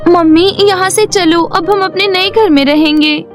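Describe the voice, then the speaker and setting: An earnest, strong-willed young daughter, acted by a woman for an animated moral tale. The voice is very high, with a wounded, wishful edge. Music plays behind it. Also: unhurried. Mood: insistent. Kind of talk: animated Hindi moral story voice acting.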